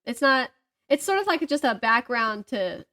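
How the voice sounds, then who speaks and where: A woman in her thirties with a fairly high voice co-hosts a book podcast. She talks in a casual, chatty way, gushing and giggling as she goes. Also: big pitch swings, moderate pace, bright, forceful tone. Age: 30s. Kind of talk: casual chat about books.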